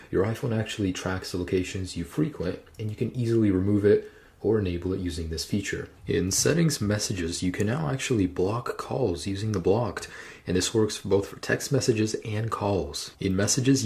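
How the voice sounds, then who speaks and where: A man's voice: on the low side, darkish tone. A man hosting a tech tutorial, walking step by step through phone settings in an instructional manner. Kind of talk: screen-recorded how-to narration.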